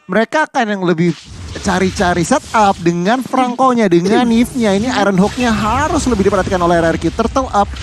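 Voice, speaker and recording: An Indonesian man analyses an esports match as it plays. His voice is high for a man, and there is faint noise in the background. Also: a little fast. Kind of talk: analytical live game commentary.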